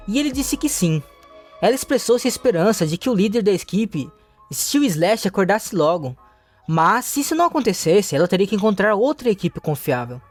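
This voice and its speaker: A narrator, reading a comic story recap steadily, with small restarts. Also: mid-range voice. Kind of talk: recap narration, read aloud.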